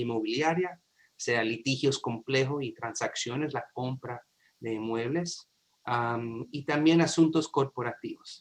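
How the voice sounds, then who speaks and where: Speaking with an American accent, a man talks at a fairly slow pace, at medium pitch, with fairly even intonation. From New York, Puerto Rican parents. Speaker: lawyer. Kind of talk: webinar interview.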